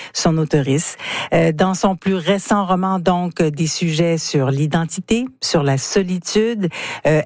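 A woman presenting a radio book column in a measured, informative way. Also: fairly low pitch, darkish tone, dry recording, clean studio sound. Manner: measured, informative, light fillers. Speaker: literary columnist.

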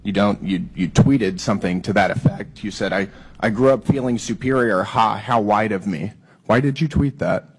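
A man at a hearing fires pointed questions at a witness, stumbling on his first words before pressing on. His voice is low and husky, and he is hoarse from a cold. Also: moderate pace, poor audio. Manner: pressing, repeats words when starting. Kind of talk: hearing interrogation.

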